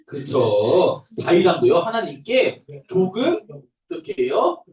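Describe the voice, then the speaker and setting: A young adult man who is a pastor, telling a Bible story to toddlers in a sing-song, animated way. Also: on the high side, takes it slowly. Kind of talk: children's sermon. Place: church room. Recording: echoey room, voice from a distance.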